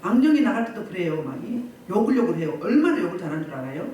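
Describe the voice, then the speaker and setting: A woman pastor speaks very fast in a sermon for a healing service, dramatizing quotes and crowds shouting, her pitch leaping up and down. The mic is far away in a church meeting room, so her voice echoes heavily with faint background noise.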